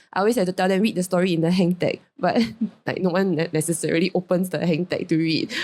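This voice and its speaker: This woman has a Singaporean accent and a medium pitch. She talks at a very fast pace with very even loudness. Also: ordinary pitch variation. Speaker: entrepreneur, founder of a character brand. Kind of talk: casual podcast interview. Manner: some stammering and repetitions.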